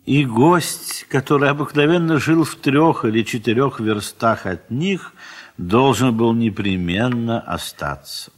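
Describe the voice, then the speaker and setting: An actor as a reflective, affectionate literary narrator in an audio drama. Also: male voice, medium pitch, a little slow, natural voice. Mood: fond, reflective. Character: reflective, affectionate male literary narrator recalling old friends.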